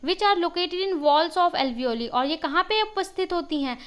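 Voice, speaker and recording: Lady teacher, high voice, sore throat, keeps quizzing the kids as she explains. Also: animated, a bit bright. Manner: explains in a questioning, step-by-step way; reads English lines slowly, then explains. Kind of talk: worksheet lesson for school students.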